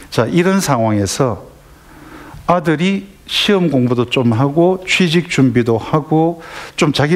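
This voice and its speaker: Man lecturing parents. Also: medium pitch. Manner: conversational, acts out family dialogues, asks audience questions.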